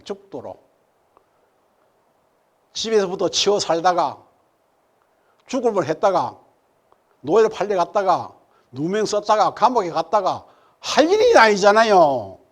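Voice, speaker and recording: Lively preacher, high voice. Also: male voice, moderate pace, long pauses. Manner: preaching with rhetorical questions to the congregation; swings from loud emphatic peaks to low murmured asides. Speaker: pastor. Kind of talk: sermon. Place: church sanctuary.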